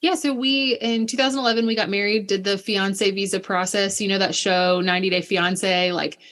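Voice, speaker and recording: A woman's voice: medium pitch, steady tone, fairly quick, fairly bright tone. A woman in her thirties from Alabama, a missionary guest telling her family's story in earnest, detailed conversation. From Alabama, USA.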